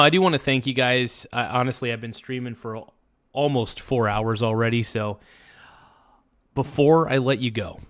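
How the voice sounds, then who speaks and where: A man's voice: mid-range voice, a bit bright. Chatty man hosting a livestream. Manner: chatty, rambling, thankful to viewers. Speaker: livestream host. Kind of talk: casual livestream commentary.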